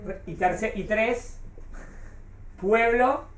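A Torah teacher with a slightly high voice speaks very slowly to a small group in an echoey classroom, with slight background noise. She explains patiently and keeps checking that her students follow.

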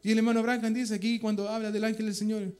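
A man's voice: sits high, level tone, fast talker, a little mellow, smooth. Fervent Chilean man giving a testimony. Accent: Chilean Spanish. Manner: fervent, repeats "brother" to the congregation. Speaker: church member giving testimony. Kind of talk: emotional spoken testimony in church. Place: church meeting room.

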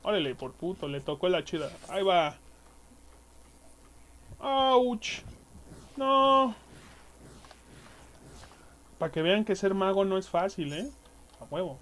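Excitable Mexican gamer man. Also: high-pitched, fairly quick. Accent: Mexican Spanish. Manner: excitable, swears a lot, yells at enemies. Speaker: gaming youtuber. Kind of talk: gameplay commentary.

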